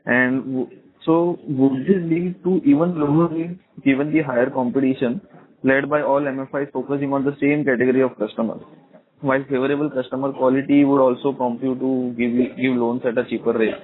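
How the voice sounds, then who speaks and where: A man's voice: medium pitch, fairly even intonation, fairly quick. A man, a financial analyst, politely putting a two-part question to management on an earnings call, restarting words as he goes. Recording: tinny conference-call phone line.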